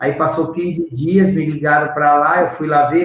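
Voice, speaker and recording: With fairly even intonation and an unremarkable speaking voice, a man talks at a fairly slow pace. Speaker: author. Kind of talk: live-stream interview. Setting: online live stream.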